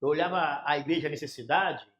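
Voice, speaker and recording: A man, a pastor telling his conversion story with fervor, in pauses and restarts. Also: fairly high pitch, a bit bright, dull audio. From São Paulo area, Brazil. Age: 60s. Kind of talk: emotional conversion testimony in a casual chat. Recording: echoey room.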